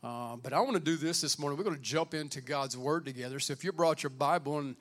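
A man's voice: a little high, quick pace. A man preaching informally as a pastor, conversational, repeating phrases and asking the congregation for amens. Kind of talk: informal sermon with welcome and Bible reading.

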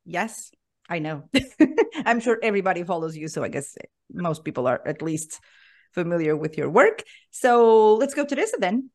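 A woman's voice: fairly low pitch, lively intonation, normal speed. A woman hosting a casual podcast, chatty and laughing often as she introduces her guests. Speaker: podcast host.

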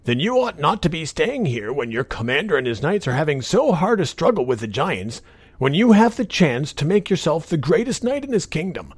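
A man's voice: on the high side, very animated, moderate pace, breathy edge, no room sound, voice pushed up. A man doing a coaxing little old man with a magic sword. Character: small old man, a disguised scheming giant.

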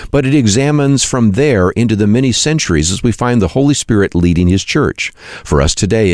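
A man with a fairly low voice delivers scripted radio teaching in an earnest, measured manner. His intonation moves expressively up and down. The recording is dry and close, with music underneath. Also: darkish tone, dry recording. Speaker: radio program host.

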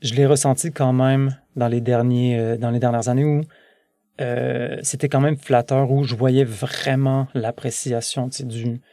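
A man in his thirties with a gravelly Québécois French voice, warm and relaxed in tone. He talks loosely, circling back with restarts and fillers. The sound is close and dry. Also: mid-range voice, measured pace, dry recording. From born in France, raised in Quebec. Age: 30s. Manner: rambling, many restarts and fillers. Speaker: guest. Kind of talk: casual conversation.

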